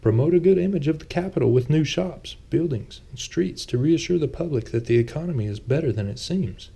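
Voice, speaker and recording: Man acting affable, higher-voiced prosperous jeweler. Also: animated, fairly quick, vocal fry, mellow, slightly rough, heavily acted. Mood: earnest, explaining. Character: Thomas, friendly well-off jeweler, former swordsman.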